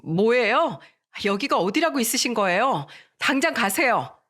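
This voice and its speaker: A woman's voice: a little high, animated, a little fast, a bit bright. A storyteller voicing a rude young woman who talks down to her future father-in-law in a curt, raised voice. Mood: scornful. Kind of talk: storybook narration.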